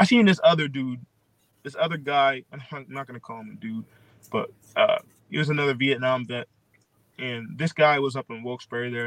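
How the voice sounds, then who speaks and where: A man with an ordinary speaking voice and medium pitch, at a fairly quick pace, with big swings in loudness and a dry, close sound with no echo. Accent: American. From Pennsylvania. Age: 20s. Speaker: Marine veteran, political candidate. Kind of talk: interview. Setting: live stream.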